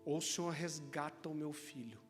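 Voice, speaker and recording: A man with a Brazilian accent quoting a devout, grave mother in a sermon, speaking in a solemn, hushed way. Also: a little high, normal speed, pitched below the performer's own voice, lightly acted. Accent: Brazilian Portuguese. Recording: church hall reverb with music.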